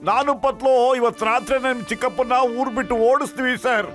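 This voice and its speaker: A man's voice: very high voice, a little fast, fairly bright tone. A man voicing a cheerful, eager young sidekick in a dubbed cartoon, polite and sympathetic. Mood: reassuring. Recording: voice over cartoon music.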